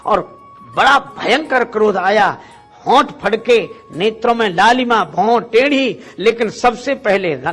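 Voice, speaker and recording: A man with an extremely high-pitched, fairly bright voice gives a devotional Hindu discourse retelling episodes from the Ramayana. Speaking as a storyteller, he poses rhetorical questions, acts out snippets of dialogue and recites verses.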